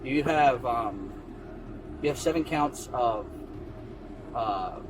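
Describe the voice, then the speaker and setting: A male police investigator questioning and explaining procedure in a measured, matter-of-fact way with hesitations, recorded on a body camera outdoors. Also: medium pitch, animated. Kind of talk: casual, procedural questioning during an arrest. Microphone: body-worn camera. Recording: noisy outdoor bodycam audio.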